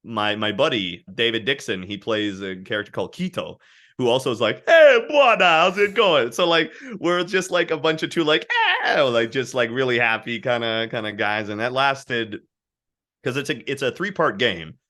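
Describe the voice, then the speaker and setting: A man who works as a voice actor, chatting as a guest and telling animated stories about his work. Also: mid-range voice, normal speed. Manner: animated, anecdotal storytelling. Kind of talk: casual interview chat.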